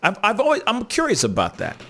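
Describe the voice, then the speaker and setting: A man's voice: high-pitched, huge pitch swings, fast, a bit bright. A man hosting a casual talk, laid-back, often saying "you know what I'm saying". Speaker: host. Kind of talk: casual conversation.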